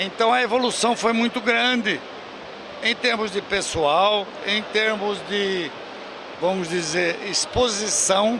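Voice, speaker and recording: Amid noticeable background noise, a man with a high pitch and a raised, projected voice talks at a very slow pace with long, frequent pauses. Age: 80s+. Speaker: agronomist, agricultural aviation pioneer. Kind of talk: interview answer.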